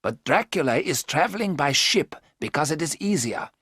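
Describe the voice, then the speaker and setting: A man's voice: fairly high pitch, lively intonation, sharp tone, husky, dry recording, clean studio sound, pitched above the performer's own voice, exaggerated voice. A man voicing a wise old professor. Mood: firm. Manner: measured, explaining, firm. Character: older male professor, wise and firm.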